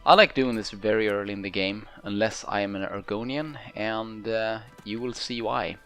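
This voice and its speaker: A man commentates casually as he plays a video game. His voice is fairly low, and he rambles along in a hesitant, laid-back way. Faint music plays behind him. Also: fairly even intonation, moderate pace, a bit bright. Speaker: gamer, let's play host.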